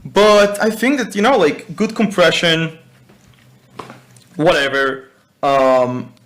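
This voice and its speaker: Man, Israeli accent, fairly high voice, halting casual producer talk. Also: a bit bright. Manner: halting, hesitant, swears casually. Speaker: music producer.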